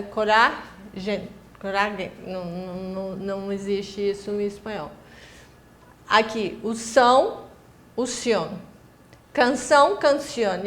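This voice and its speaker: A Brazilian woman teaching a recorded Spanish lesson, explaining pronunciation with many fillers and restarts. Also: a little high. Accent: Brazilian Portuguese. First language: Portuguese. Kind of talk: distance-learning lesson.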